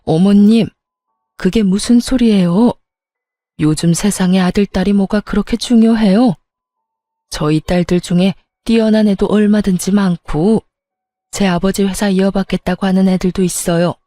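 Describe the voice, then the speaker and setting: A woman's voice: mid-range voice, fairly even intonation, normal speed, warm tone, dry recording, soft background music, lightly acted. A woman voicing an indignant, pleading sister-in-law who protests in an agitated way in a family drama story. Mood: shocked, indignant.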